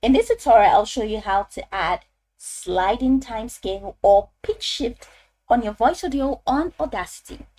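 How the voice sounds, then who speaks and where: A woman narrating a step-by-step software tutorial in an informal, instructional way, often repeating her phrases. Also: a little high, expressive, moderate pace.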